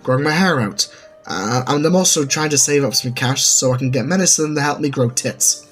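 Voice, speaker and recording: A man's voice: medium pitch, fairly quick, a bit bright, close to an everyday voice. A man voicing a brash, sarcastic young trans woman with a casual, mocking, slangy way of talking in a narrated story. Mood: frank, casual. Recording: music under the voice.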